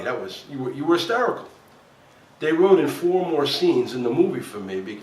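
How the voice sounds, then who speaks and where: A man who is a former cop turned actor, from New Jersey, telling stories in a casual chat and acting out what people said. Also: medium pitch. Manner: animated storyteller acting out quotes. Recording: echoey room, voice a bit far from the mic, faint background noise.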